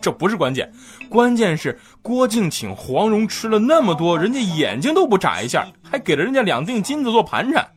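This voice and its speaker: Lively male comedy talk-show host. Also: high voice, brisk. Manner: lively storytelling. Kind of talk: scripted comedy monologue.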